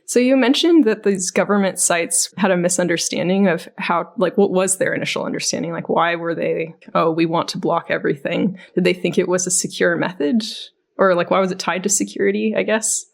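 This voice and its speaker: Creaky-voiced woman chatting on a podcast. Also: lowish voice, fairly even intonation, brisk. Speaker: podcast co-host. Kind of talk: casual podcast chat.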